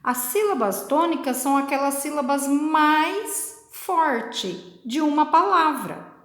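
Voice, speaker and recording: A woman teacher from Brazil, slowly and patiently explaining a lesson to children step by step. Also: high-pitched, fairly bright tone, roomy sound. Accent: Brazilian Portuguese.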